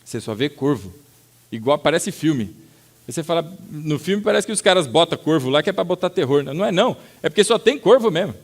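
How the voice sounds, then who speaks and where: Brazilian pastor guy preaching, kinda high voice, tells stories and suddenly shouts bits out. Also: brisk. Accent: Brazilian Portuguese. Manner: lively storytelling with sudden loud acted-out outbursts; addresses the congregation as brother. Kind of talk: sermon.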